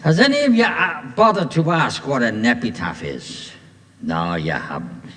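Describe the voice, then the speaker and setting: A man's voice: sing-song, normal speed, fairly bright tone. A man playing a blunt, mocking heckler on stage, boisterous and scolding. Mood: lecturing. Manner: boisterous, scolding, mocking, wildly swinging pitch. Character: cheeky Dublin man, loud, mocking and blunt. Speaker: stage actor. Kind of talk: amateur stage play. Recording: hall reverb from a stage.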